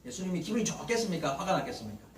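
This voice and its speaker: A man's voice: sits high, big pitch swings, racing, crowd noise. A man preaching a Sunday morning sermon as pastor, acting out the words of Bible figures. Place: church sanctuary. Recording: roomy church echo, mic at a distance, faint hiss.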